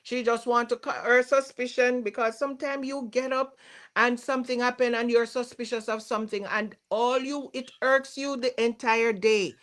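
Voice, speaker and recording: A woman's voice: fairly high pitch, steady tone, normal speed, a bit bright. A woman from Jamaica co-hosting a casual live stream, patiently explaining her view. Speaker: co-host.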